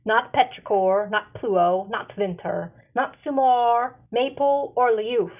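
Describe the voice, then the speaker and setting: A woman voicing a stern, measured male leader in a fantasy story, grave and authoritative. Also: fairly high pitch, fairly even intonation. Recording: narrow phone-like sound.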